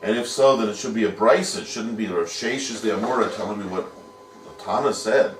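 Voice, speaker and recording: A man with a low voice teaches a Talmud lesson, working through the text patiently and posing questions to his students. He sits at a distance from the microphone in a roomy, echoing space with a faint background hiss. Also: a little fast. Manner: patient, explains step by step with rhetorical questions. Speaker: yeshiva teacher. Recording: echoey room, mic at a distance.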